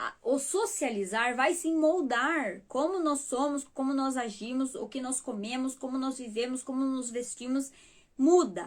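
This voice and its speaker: A very clean recording with a silent background captures a woman speaking at a fairly slow pace in a high voice with lively intonation. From southern Brazil, western region. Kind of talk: talking-head video monologue.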